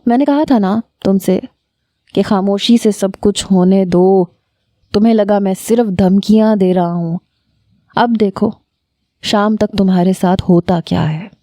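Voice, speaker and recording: A woman's voice: medium pitch, dark tone, no echo, studio quality, close to an everyday voice. Woman voicing a gloating blackmailer man. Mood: gloating menace. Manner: slow, gloating threats. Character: menacing young man blackmailing over phone.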